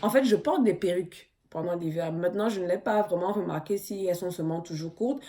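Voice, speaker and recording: A woman's voice: fairly low pitch, fast, warm tone. Blunt young woman. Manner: frank, blunt, emphatic. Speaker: vlogger answering viewer questions. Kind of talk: casual Q&A vlog.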